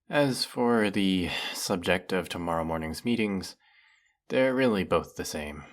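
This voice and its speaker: A man playing a flirty, fanatically devoted demon familiar in a dramatic audio roleplay, with fawning, formal diction and a breathy, husky voice. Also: deep voice. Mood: dutiful, wistful. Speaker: voice actor. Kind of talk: dramatic roleplay monologue spoken to the listener.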